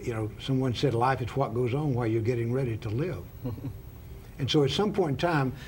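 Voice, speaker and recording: A man hosting a Christian television talk show, speaking in a deliberate, sermon-like way with frequent "uh" fillers. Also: medium pitch, a little mellow, slight background noise. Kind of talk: preachy opening then interview.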